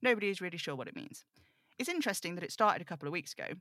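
A woman acting as a lonely, reflective broadcaster who confides in her listeners in a measured, intimate audio drama monologue. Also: lowish voice, sing-song, a bit bright, no room sound, clean studio sound. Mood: wistful, subdued. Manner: measured, confiding, wistful storytelling.

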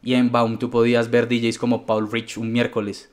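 A man with a Colombian accent, a DJ guest telling stories in a casual, relaxed interview with many fillers. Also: medium pitch, moderate pace. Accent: Colombian Spanish. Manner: relaxed storytelling with frequent fillers.

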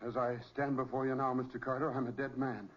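An actor playing a desperate, doomed amateur inventor in 1940s radio style, grave and urgent. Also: male voice, medium pitch, little pitch movement, fast, natural voice. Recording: muffled, dull 1940s radio recording.

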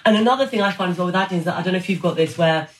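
Speaking very fast in a high-pitched voice, a man chats casually and enthusiastically while being interviewed as an actor. He tells anecdotes and quotes himself. The recording has a roomy echo and background noise.

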